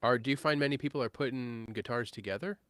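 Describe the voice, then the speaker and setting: A man's voice: mid-range voice, fast talker, fairly bright tone, clean tone, no room sound. Easygoing man in his late thirties. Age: 30s. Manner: easygoing, laughing, trailing off. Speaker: host. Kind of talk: casual chat.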